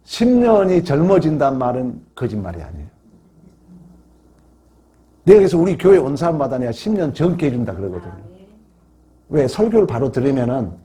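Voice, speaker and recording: A man's voice: mid-range voice, warm tone. A middle-aged male pastor preaching a sermon in an emphatic, conversational way, often asking the congregation questions.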